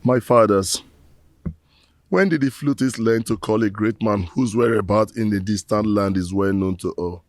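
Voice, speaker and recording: A remorseful rogue pours out a declamatory prayer to his ancestors , as a man plays him. His gravelly voice sounds close and dry. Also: on the low side, normal speed, dry recording, faint music behind, lightly acted. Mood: pleading. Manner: lamenting, pleading, declamatory. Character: remorseful middle-aged rogue pleading to ancestors.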